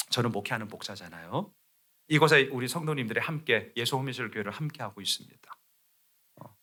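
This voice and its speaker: A man preaching a sermon as pastor, animated and leading his congregation in reading scripture aloud. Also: mid-range voice. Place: church sanctuary.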